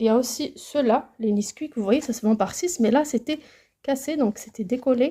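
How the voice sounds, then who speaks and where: This woman has a dark, mellow tone and a high pitch. Her intonation is lively and her pace moderate. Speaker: budget grocery vlogger. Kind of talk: casual haul vlog. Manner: hesitant, many fillers.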